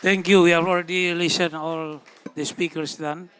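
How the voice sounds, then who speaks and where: A man moderating a panel Q&A, brisk and casual with fillers. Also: a little high, level tone, a bit bright, some chatter behind, slight background noise.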